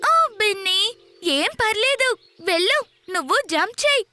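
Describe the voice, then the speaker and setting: A woman's voice: extremely high pitch, animated, moderate pace. A woman voicing an eager, encouraging young child in a children's cartoon, speaking in simple exclamations. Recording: children's music behind the voice.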